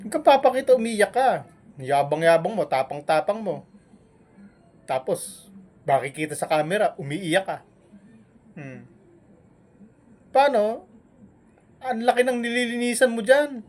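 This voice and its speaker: A man scolding and mocking a rival on a live stream, with taunting jabs and long humming pauses between them. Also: high-pitched, a little mellow. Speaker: vlogger.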